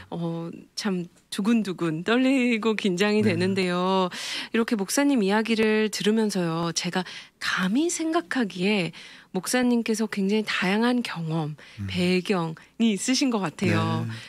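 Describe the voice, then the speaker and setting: A woman speaks at a fairly slow pace with ordinary pitch variation, in a dry sound with no echo. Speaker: radio host. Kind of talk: interview. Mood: warm, polite, slightly nervous. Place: studio. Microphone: studio mic.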